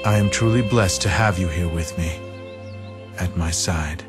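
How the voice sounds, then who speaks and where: A wise strategist in a video game cutscene, his voice very deep and unhurried. He speaks in a slow, reflective, measured way over loud orchestral music. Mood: tender. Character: calm wise male strategist, grateful husband.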